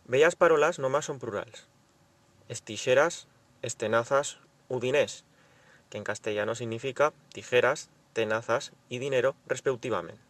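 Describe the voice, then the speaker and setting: A man's voice: medium pitch, moderate pace, fairly bright tone. A man presenting a language lesson, carefully reading out rules and example words. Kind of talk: scripted lesson narration.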